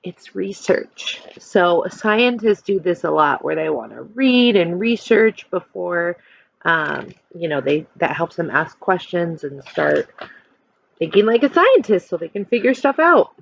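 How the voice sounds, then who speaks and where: Slow, animated female teacher reading aloud. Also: lowish voice, vocal fry, lo-fi sound, a little hiss or hum. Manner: expressive, addresses young listeners with questions. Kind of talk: children's read-aloud with explanatory asides and questions.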